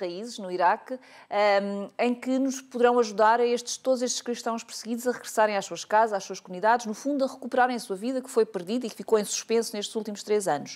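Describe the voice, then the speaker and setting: An unremarkable speaking voice moves at a fairly quick pace with ordinary pitch variation. The background is quiet. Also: woman. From Portugal. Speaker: TV co-presenter, charity representative; TV presenter. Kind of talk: casual chat. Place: studio.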